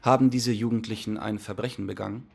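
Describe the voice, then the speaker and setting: A cool, firm professor, gravelly. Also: male voice, lowish voice, steady tone, fast talker. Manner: composed and firm. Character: cool-headed professor facing a threat. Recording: reverberant hall with music beneath.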